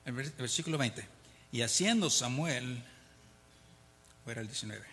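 A man's voice: medium pitch, lively intonation, moderate pace, pushed and bright. A man teaching a Bible study in a conversational way, reading verses aloud and explaining them, often checking in with his listeners. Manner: conversational, often asks "¿verdad?", chuckles between points. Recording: reverberant hall.

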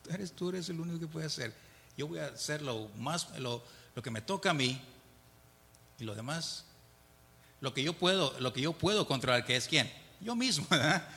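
A man's voice: on the high side, expressive, moderate pace, creaky, pushed and bright. A man teaching a Bible study in a conversational way, reading verses aloud and explaining them, often checking in with his listeners. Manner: conversational, often asks "¿verdad?", chuckles between points. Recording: reverberant hall.

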